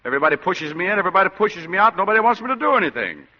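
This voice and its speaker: A man's voice: high-pitched, very animated, very fast, pushed and bright, full character voice. An actor playing a weary, wisecracking male private detective in a 1940s-style radio drama. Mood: wry. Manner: wisecracking, sardonic. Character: hard-boiled male private eye, sardonic, weary. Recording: dull lo-fi old radio recording.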